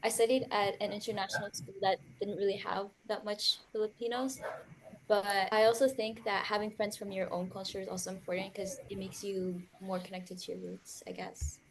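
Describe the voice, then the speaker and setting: A seventeen-year-old girl from the United Arab Emirates, a guest, speaking softly and trailing off. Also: mid-range voice, little pitch movement, normal speed, a crowd in the background. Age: teens.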